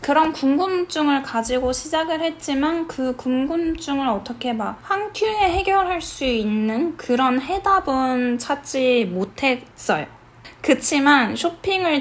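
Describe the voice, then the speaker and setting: Noticeable background noise runs under a woman's very slow speech. Her voice is high, with very wide pitch swings. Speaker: book youtuber. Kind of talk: casual book review chat.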